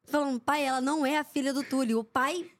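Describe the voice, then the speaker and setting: A woman's voice: sits high, fast, slight background noise. A young woman, a sports reporter telling anecdotes as a podcast guest and acting out what people said. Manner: lively storyteller who acts out the quotes of people in her stories.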